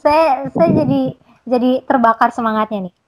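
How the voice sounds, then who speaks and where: A woman's voice: high voice, moderate pace, darkish tone, rough recording. A woman interviewing a pastor in a casual, chatty way, prompting him with questions and fillers.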